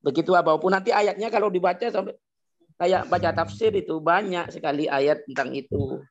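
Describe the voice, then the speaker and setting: Guy w explaining hadith, slightly high voice, goes thru long source lists, kinda muffled lo-fi audio. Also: brisk. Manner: cites hadith sources at length, recites Arabic. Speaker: Islamic teacher. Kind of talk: religious explanation to a guest. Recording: dull lo-fi sound.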